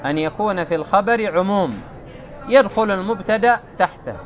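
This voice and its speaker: A man with a notably high voice leads a grammar lesson, laying out each rule in turn and stopping to quiz his students. The recording is dull and lo-fi. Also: lively intonation, a little fast, some chatter behind. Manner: explains step by step, quizzes students with repeated checks. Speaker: grammar teacher. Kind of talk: classical Arabic grammar lesson.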